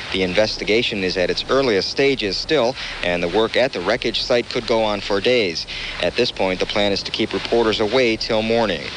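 A man's serious, fairly low voice at a moderate pace, with ordinary pitch variation and a dry sound with no echo, plus noticeable background noise. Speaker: radio news reporter. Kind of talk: 1980s radio news report, on-scene. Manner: clipped, serious, scripted-sounding. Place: street. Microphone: old recording.

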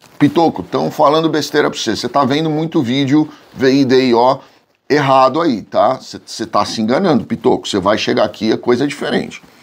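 A fairly quick-paced man's voice, fairly high in pitch, with ordinary pitch variation. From Brazil. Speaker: immigration lawyer and YouTuber; immigration lawyer, YouTuber. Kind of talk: casual reading and mocking of hater comments. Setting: home studio. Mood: ironic, slightly annoyed. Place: office. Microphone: lapel.

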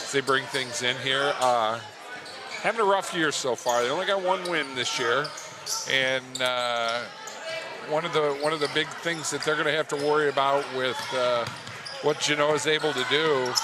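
A man talks at a moderate pace with long, frequent pauses and ordinary pitch variation, the sound dry with no echo and noticeable background noise present. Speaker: play-by-play announcer. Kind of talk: sports commentary. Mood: relaxed, joking. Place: hall. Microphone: headset.

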